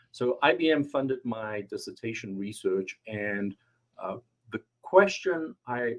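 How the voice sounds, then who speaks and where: A man with a South African accent at medium pitch, fairly slow and with lively intonation, in a dry, close sound with no echo. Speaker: marketing professor. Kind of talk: podcast interview.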